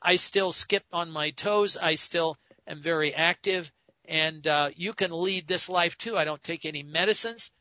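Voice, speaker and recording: Bright-voiced man in his sixties lecturing. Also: on the high side, no echo, lo-fi sound. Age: 60s. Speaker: radio host. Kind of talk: health talk radio sponsor segment.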